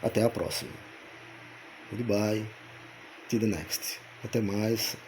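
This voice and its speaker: A man's voice: fairly low pitch, slow, a little mellow, a little hiss or hum. A man teaching English grammar, patiently repeating points and spelling words out letter by letter. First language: Portuguese. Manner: patient, repetitive explaining. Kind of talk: explaining grammar in a video lesson.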